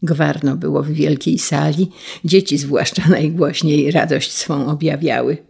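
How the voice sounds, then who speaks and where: Woman, storybook narration, low voice, gravelly, husky. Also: steady tone, measured pace, a little mellow. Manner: reads aloud, puts on voices for characters.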